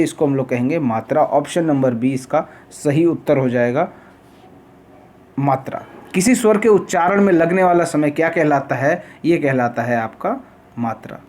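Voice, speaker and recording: A man with a fairly high voice runs an exam-practice quiz lesson. He reads each question aloud, repeats it and urges viewers to post their answers. His delivery is the steady, explanatory manner of a classroom teacher.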